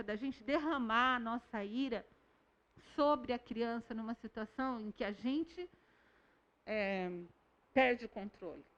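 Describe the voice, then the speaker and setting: A woman teaching a recorded Bible school lesson, calmly explaining with stories from her classroom. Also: on the high side, dull audio.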